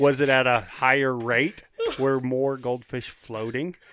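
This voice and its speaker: This man's voice has a bright, sharp tone. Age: 40s. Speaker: podcast co-host. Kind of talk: casual chat.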